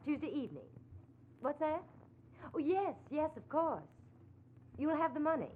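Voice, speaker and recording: A woman's voice: high-pitched, expressive, normal speed. An American actress playing a secretive, guarded woman with a shady deal, clipped and evasive, in 1940s radio style. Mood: guarded, businesslike. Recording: noisy, tinny old radio recording.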